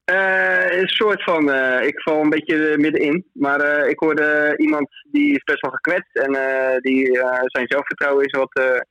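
A man's voice: fairly high pitch, moderate pace, no echo, highs cut off. Hesitant man calling in to a radio show. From Netherlands. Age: 30s. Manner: hesitant, many filler sounds. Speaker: caller. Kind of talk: radio show caller on the line.

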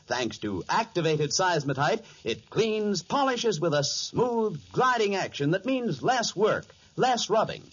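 A man's voice: high-pitched, big pitch swings, unhurried, hardly any pauses, fairly bright tone, breathy edge. A man announcing and narrating a scripted 1940s radio show in an emphatic, theatrical manner. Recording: dull 1940s radio recording.

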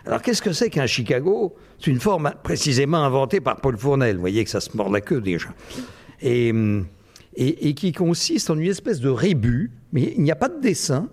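A man's voice: medium pitch, very animated, normal speed, darkish tone. A man hosting a live literary event, explaining with hesitations and restarts. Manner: hesitant, many fillers and restarts. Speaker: event host.

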